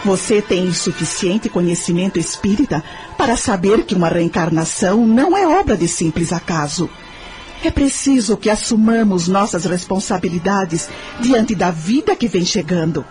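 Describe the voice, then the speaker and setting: A woman playing a caring, principled middle-aged mother and wife in a radio drama, earnest and gently moralizing, with a Brazilian accent. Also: mid-range voice, lively intonation, normal speed, soft background music, lightly acted. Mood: tender, earnest.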